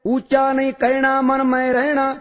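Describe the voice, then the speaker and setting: A man reciting religious hymns in a measured, sing-song chant. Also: extremely high pitch, monotone. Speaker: scripture reciter. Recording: long reverb, dull lo-fi sound, faint music.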